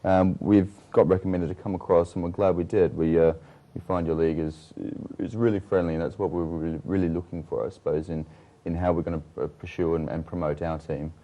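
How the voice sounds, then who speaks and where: Aussie guy, deep voice, laid-back studio guest chatting about his team. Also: flat delivery, a little fast, warm tone. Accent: Australian. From Australia. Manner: easygoing, explaining with fillers and restarts. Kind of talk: casual studio chat.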